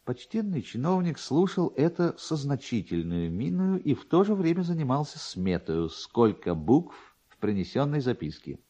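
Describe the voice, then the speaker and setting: A man narrating a classic story in a theatrical, expressive style. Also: mid-range voice, normal speed, few pauses. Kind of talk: dramatic literary narration. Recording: dull, band-limited archive radio recording.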